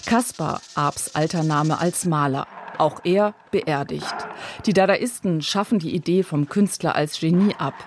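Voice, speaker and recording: A woman narrating a scripted radio feature in a crisp, clipped storytelling manner. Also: sits low, unhurried, slight background noise.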